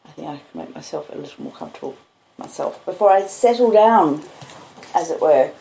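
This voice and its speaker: A woman with an Australian accent, reading and chatting in an unhurried, cosy storytelling way, recorded on basic home equipment. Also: deep voice, lively intonation, vocal fry, warm tone. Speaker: podcaster and audiobook reader. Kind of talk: relaxed live chat and literary storybook reading. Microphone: laptop and phone microphones. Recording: roomy echo, basic laptop and phone audio.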